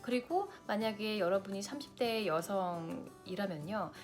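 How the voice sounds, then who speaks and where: A woman's voice: medium pitch, lively intonation, a little slow. Vlogger, woman, late 30s, big-sister advice to camera, faint music under. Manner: warm big-sister advice, direct address to viewers. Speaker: lifestyle vlogger.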